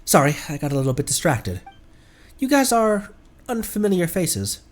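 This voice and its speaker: A man reading game dialogue as a shy, apologetic, wistful stranger, hesitant and soft-spoken. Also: high voice, wildly swooping pitch, normal speed. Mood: awkward, apologetic.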